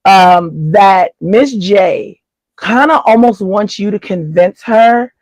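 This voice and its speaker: Slow-talking, teasing co-host. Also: mid-range voice, no room sound, rough recording. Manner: teasing, laughing. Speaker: podcast co-host. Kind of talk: casual chat.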